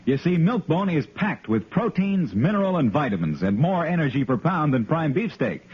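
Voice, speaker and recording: A man announcing a 1950s radio show and reading its ad in a smooth, persuasive way. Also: a little high, sing-song, normal speed. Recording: dull old radio broadcast recording.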